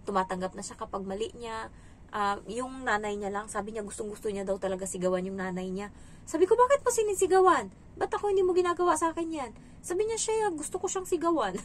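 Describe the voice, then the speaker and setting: A woman's voice: medium pitch, fairly bright tone, slight background noise. A young Filipino woman, a domestic helper, chatting casually in a vlog and acting out quoted lines with a raised voice. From Philippines.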